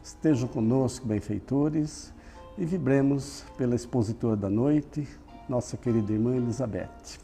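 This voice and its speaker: A man with a Brazilian accent leading a slow guided opening prayer in a soothing, solemn manner. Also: mid-range voice, creaky, dark tone, faint music behind. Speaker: prayer leader at a spiritist center.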